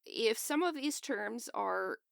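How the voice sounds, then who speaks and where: A woman's voice: fairly high pitch, expressive, slow pace, vocal fry, no room sound, studio quality. A woman co-hosting a podcast, explaining a topic in a chatty, casual way. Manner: explanatory, chatty, laughs often. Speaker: podcast co-host. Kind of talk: casual chat.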